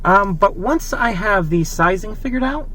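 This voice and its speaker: Tech video creator, male with a high voice. Conversational, keen, informal project walkthrough. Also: lively intonation, normal speed, sharp tone, a little hiss or hum. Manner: enthusiastic, conversational. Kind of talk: casual project demo and update to viewers.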